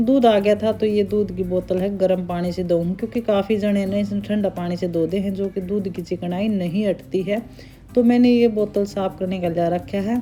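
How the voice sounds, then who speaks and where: Over music in the background, a woman talks at a moderate pace with hardly any pauses and fairly even intonation. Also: medium pitch for a woman. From Haryana, India. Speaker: housewife vlogger. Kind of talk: casual vlog chat while doing chores. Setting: home kitchen.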